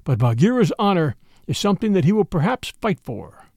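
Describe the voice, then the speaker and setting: A man voicing a calm, gentle male panther with a quiet danger to him, speaking softly and low. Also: normal speed, no room sound, studio quality. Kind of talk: storybook reading.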